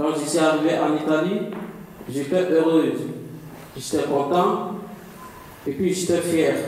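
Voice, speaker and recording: Amid strong room echo, a man with a fairly high pitch speaks very slowly and with fairly even intonation, leaving long, frequent pauses. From West Africa. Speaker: refugee reading testimony. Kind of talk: reading aloud. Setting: stage with audience. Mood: calm, earnest. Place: hall.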